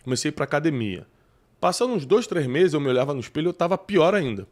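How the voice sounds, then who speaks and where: A man's voice: fairly high pitch, big pitch swings, fast talker, darkish tone. A man with a Brazilian Portuguese accent hosting a podcast conversation, talking in an emphatic, preacherly way and citing scripture. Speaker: podcast host.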